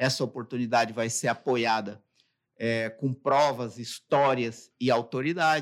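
A plain, everyday voice from a man, medium in pitch, moderate in pace, fairly even in intonation, on a very clean recording with a silent background. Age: 40s. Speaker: copywriter. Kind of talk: casual chat.

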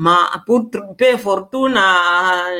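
Pitched at a medium level, the woman's voice rises and falls with ordinary variation. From Tanzania. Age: 60s. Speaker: book subject, immigrant. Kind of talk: interview. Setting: video call.

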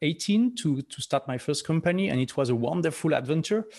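A man speaks at a moderate pace in a French accent. The background is quiet. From France. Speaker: entrepreneur and author. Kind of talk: interview. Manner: hesitant.

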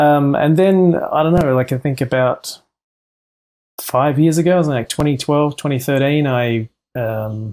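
Talking at a moderate pace, a man uses a fairly high pitch with ordinary pitch variation. He has an Australian accent. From Central Coast, north of Sydney, Australia. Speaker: underwater photographer. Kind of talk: casual interview.

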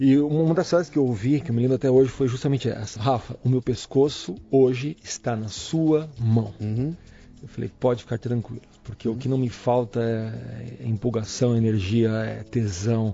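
Speaking at a moderate pace, the man has a medium-pitched, somewhat breathy voice with ordinary pitch variation. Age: 30s. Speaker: podcast host and corporate speaker. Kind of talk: casual interview chat.

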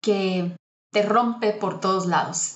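A woman is speaking at a medium pitch. She has a Guatemalan accent. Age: 40s. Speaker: psychologist, survivor sharing testimony. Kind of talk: testimony.

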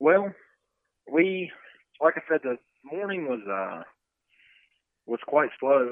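Speaking in an Appalachian accent at a very slow pace, the voice takes very wide pitch swings and leaves long, frequent pauses. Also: man. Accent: Appalachian American. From West Virginia. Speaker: turkey hunter, shooting victim, former Marine. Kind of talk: interview testimony.

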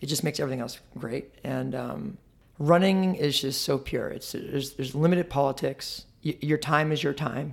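Speaking at a moderate pace, a man with a fairly high pitch and vocal fry keeps his intonation fairly even. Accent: American. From US South, Georgia (Marietta). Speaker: fitness coach. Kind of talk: interview.

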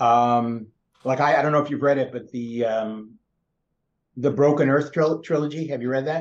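A man's plain, everyday voice, fairly high in pitch, with fairly even intonation. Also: moderate pace. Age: 60s. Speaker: author. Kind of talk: interview.

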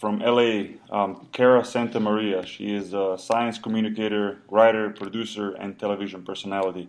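A man with a Slovenian accent at a fairly low pitch, moderate pace and monotone, flat intonation. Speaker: podcast host and pro athlete. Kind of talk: casual interview chat. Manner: hesitant, many fillers.

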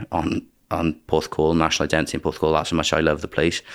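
Very deep-voiced man with a Welsh accent, talking very fast, on a very clean recording with a silent background. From South Wales. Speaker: sociologist and author. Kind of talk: interview conversation. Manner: halting, many repetitions.

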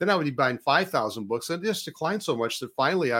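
In a very clean recording with a silent background, a man talks at a very fast pace with lively intonation. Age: 70s. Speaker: screen printing industry veteran. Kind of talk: casual chat.

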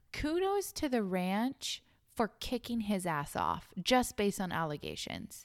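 A woman with a plain, everyday voice at medium pitch, lively intonation and a fairly slow pace, in a very clean recording with a silent background. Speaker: podcast co-host. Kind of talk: casual chat over beers.

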